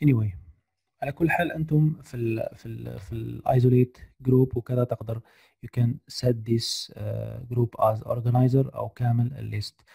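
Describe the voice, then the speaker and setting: Tired man with a gravelly, dark voice. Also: mid-range voice, steady tone, normal speed, no room sound. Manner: hesitant, many fillers, mixes English terms. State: tired, slightly unwell voice. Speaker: guest lecturer. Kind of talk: screen-share software lesson.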